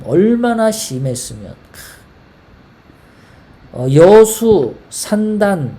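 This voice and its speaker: A woman's voice: fairly low pitch, dark tone. A woman from South Korea hosting a casual political monologue, talking in a heated, rambling way full of rhetorical questions. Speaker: political commentary host.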